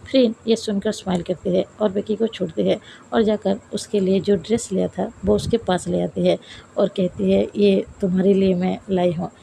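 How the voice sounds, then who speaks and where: A woman narrates a romance story at a steady, even pace, with a gravelly texture. Her tone is mellow and dark. A faint hiss sits behind the voice. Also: mid-range voice, moderate pace, low-quality recording. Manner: steady, plain retelling with dialogue read aloud.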